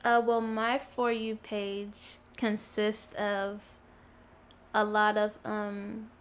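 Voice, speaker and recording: A young woman being interviewed, giving relaxed, short answers with frequent giggles. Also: mid-range voice, very slow, clear, resonant tone. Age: young adult. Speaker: interview guest. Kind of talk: casual interview chat.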